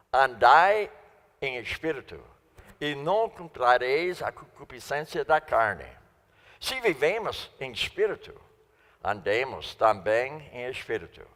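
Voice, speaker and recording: Slow-speaking non-native preacher in church. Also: male voice, on the high side, fairly bright tone. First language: not Portuguese. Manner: slow, deliberate preaching, repeating key phrases. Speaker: guest preacher. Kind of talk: sermon. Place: church sanctuary. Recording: long church reverb.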